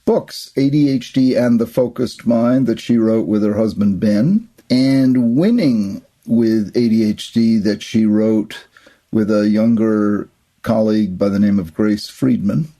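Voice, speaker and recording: A man's voice: on the low side, measured pace, mellow. A man hosting an interview podcast in an effusive, encouraging way. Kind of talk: warm interview conversation.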